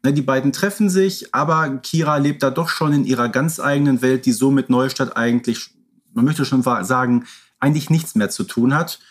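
Male co-host, husky edge, medium pitch, casual and explanatory conversational delivery. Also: moderate pace. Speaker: podcast co-host. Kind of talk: casual podcast conversation about audio dramas.

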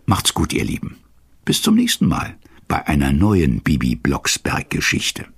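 An older man with a very deep, husky voice narrates a children's radio play. His delivery is highly animated, with big swings in pitch, and he addresses his young listeners fondly. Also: measured pace. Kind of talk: warm storytelling narration for children.

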